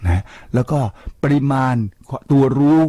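A man's voice: measured pace, no echo. An older man hosting a radio talk show, lecturing listeners with rhetorical questions and sprinkling English words into his speech. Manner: lively, preachy, asks listeners rhetorical questions. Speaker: radio host. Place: radio studio. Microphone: studio microphone.

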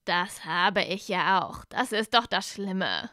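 A woman reading aloud voices a proud young male wizard who sounds flat and defeated, speaking low and slowly. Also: no echo, studio quality. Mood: weary.

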